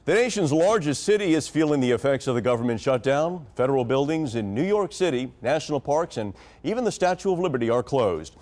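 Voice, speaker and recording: A young adult man anchoring an evening newscast from a studio desk, reading scripted stories in a measured, formal way. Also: fairly high pitch, animated, darkish tone. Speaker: news anchor.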